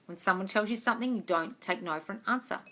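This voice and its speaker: Talking fast in a sharp, mid-range voice, a woman in her forties hosts a casual live question-and-answer session as a manifestation coach. She addresses listeners informally as "darling" and "guys," recorded up close on a phone.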